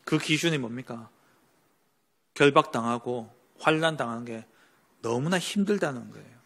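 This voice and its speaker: A male pastor giving a Sunday sermon, preaching emphatically with rhetorical questions and swinging between loud stresses and quiet asides. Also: medium pitch, normal speed, vocal fry, breathy edge.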